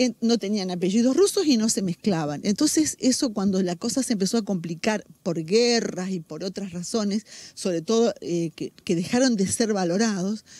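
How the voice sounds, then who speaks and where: Dark and mellow in tone, a woman's medium-pitched voice moves at a moderate pace with hardly any pauses and ordinary pitch variation, the sound dry and close with no echo. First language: German (speaking Spanish). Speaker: community association leader. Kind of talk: news interview. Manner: halting, many restarts.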